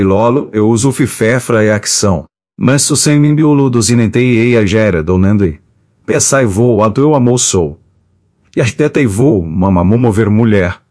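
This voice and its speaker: A man reading a chapter of an audiobook in a steady, measured way. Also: lowish voice, no room sound, studio quality. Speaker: audiobook narrator.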